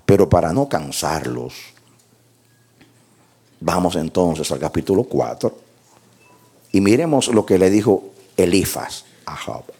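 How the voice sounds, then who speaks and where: A man's voice: deep voice, lively intonation, a little slow, pauses often, darkish tone, breathy edge. A man preaching a sermon, reading scripture aloud and commenting on it with rhetorical questions and repeated words for emphasis.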